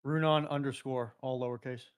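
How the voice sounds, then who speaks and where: A man's voice: medium pitch, fairly even intonation, fairly quick, smooth. A man chatting casually as a participant on a live stream, addressing viewers and technical matters. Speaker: live stream participant handling chat and tech.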